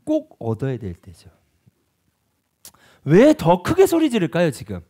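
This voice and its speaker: A man's voice: high voice, huge pitch swings, unhurried, dark tone. A man preaching a sermon as pastor at a church evening prayer meeting, asking the congregation repeated rhetorical questions.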